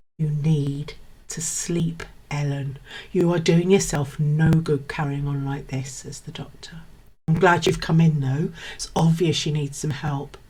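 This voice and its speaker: A woman's very deep, low voice at a moderate pace, with music in the background. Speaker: storyteller. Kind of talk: ghost story reading.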